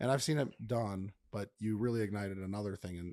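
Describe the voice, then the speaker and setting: A man with an American accent has a dark, mellow tone. He talks at a fairly quick pace with ordinary pitch variation. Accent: slight accent on certain words. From US Midwest (West Michigan), partly Maine. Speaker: podcast host. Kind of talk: casual chat. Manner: halting.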